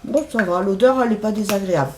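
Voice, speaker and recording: A woman's voice: medium pitch, fast talker, slight background noise. A middle-aged woman chatting casually in a shopping haul video, hesitant with lots of fillers. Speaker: haul vlogger. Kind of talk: casual chat.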